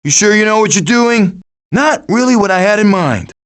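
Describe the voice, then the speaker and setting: A man voicing a cocky, wisecracking raccoon who leads a band of foraging animals, with glib, sarcastic delivery in an animated video game style. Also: sits high, moderate pace.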